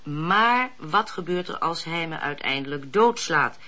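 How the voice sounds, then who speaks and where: An actress playing a brisk, opinionated woman in a Dutch radio drama. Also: deep voice, lively intonation, sharp tone, exaggerated voice. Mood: reading aloud. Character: brisk, opinionated woman helper, pious letter-answerer. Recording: dull lo-fi radio play recording.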